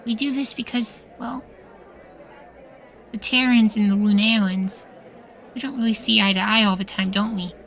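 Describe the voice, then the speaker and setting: A woman's voice: medium pitch, steady tone, moderate pace, long pauses, a faint crowd, natural voice, poor audio. A woman playing a meek, sweet young boywife in a futuristic ASMR roleplay, hesitant and full of trailing questions. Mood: gentle, wondering. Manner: hesitant, soft-spoken pleading, trailing questions.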